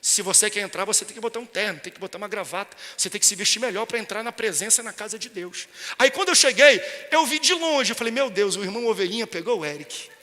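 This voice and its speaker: A Brazilian man with a Brazilian Portuguese accent preaches a sermon in a large church. His voice sits very high and sounds piercingly bright. Long reverb from the hall and soft music are heard behind him. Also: lively intonation, quick pace. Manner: storytelling, rising to impassioned preaching. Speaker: pastor.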